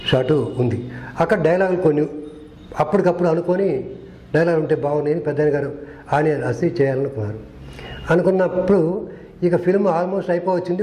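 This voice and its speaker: Older man telling film-set stories, quick. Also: on the high side, mellow, roomy sound, rough recording. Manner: anecdotal, acts out quoted dialogue. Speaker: veteran film co-director. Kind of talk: storytelling interview.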